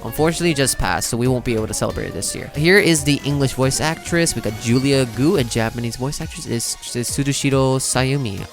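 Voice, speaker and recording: A man's voice: medium pitch, fast talker, few pauses. A man giving casual, slangy and exclamatory reaction commentary as a video host. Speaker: video host, game reaction content creator. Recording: music playing behind the voice. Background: music.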